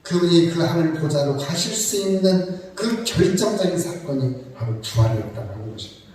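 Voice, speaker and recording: A man's voice: on the high side, animated, brisk, darkish tone. A man preaching a sermon, talking to the congregation conversationally with joking asides and rhetorical questions. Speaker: pastor. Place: church sanctuary. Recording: echoey church hall from far off.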